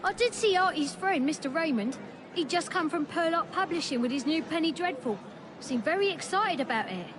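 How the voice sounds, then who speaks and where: A woman's voice: high voice, animated, brisk, background noise. An actress playing a gossipy woman in a game. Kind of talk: video game dialogue.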